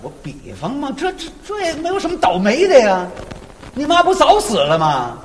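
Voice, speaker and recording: A man performing a crosstalk comedy routine as the lead teller, talking in a lively storytelling way. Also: very high voice, moderate pace. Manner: lively storytelling with mimicked opera wails. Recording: reverberant stage hall.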